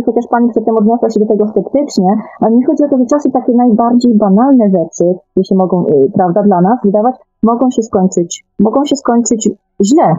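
Mellow-voiced woman on a dull connection. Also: a little high. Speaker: guest author. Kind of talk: conversational radio discussion. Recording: dull, band-limited remote connection.

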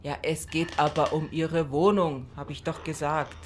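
Low-voiced, bossy elderly wife played by an actress. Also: female voice, fairly even intonation, moderate pace, close to an everyday voice. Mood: firm, insistent. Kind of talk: audio drama acting. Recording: clear background ambience noise.

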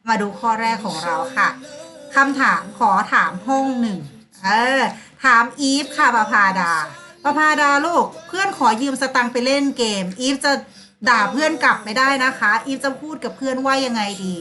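A woman's voice: high voice, normal speed, bright, forceful tone. A woman teacher giving a lesson to primary school pupils, calling on them by name and acting out sample replies. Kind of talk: online class lesson.

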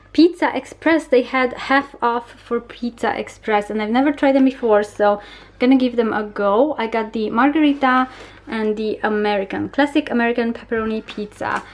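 A young woman talking casually and chattily in an informal vlog style, recorded on a handheld camera in a home kitchen. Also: on the high side. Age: young adult. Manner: chatty and informal, small laughs between remarks. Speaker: vlogger.

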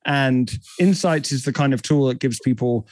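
A man's voice: mid-range voice, moderate pace, a little mellow, no echo. A man in his thirties with a British accent, a guest explaining technology fluently in a podcast interview over a headset from a home office. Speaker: guest, tech company CEO.

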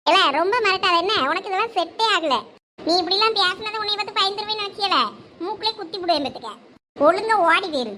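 Sharp-tongued village woman, acted by a woman, very high and fast, light hiss behind. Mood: taunting.

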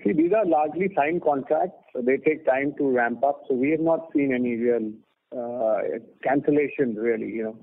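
A man answering analysts as a company executive on an earnings call, speaking off the cuff in a halting way with many "you know"s. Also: medium pitch. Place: telephone conference call. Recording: tinny phone-line conference call.

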